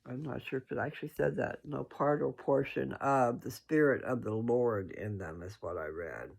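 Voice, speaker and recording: A man's voice: medium pitch, normal speed, creaky, husky. A sleepy man casually talking through scripture for his followers in a folksy, rambling way, often correcting himself. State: sleepy, yawning. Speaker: host reading and discussing scripture.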